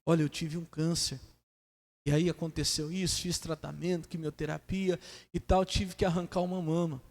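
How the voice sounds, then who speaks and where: A man voicing an older woman in cancer treatment, speaking softly and in a lower tone than his preaching voice. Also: level tone, normal speed, lightly acted. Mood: sorrowful. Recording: long church reverb.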